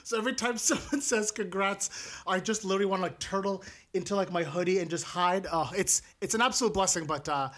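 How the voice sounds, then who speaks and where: A man co-hosting a podcast, telling self-deprecating stories in a casual chat with lively impressions. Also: high-pitched, a little fast, few pauses. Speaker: podcast co-host.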